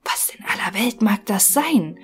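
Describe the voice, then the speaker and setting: A woman's voice: medium pitch, normal speed, natural voice. A woman voicing a greedy, cowardly male innkeeper in a fairy tale audiobook, musing in a sly near-whisper. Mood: scheming.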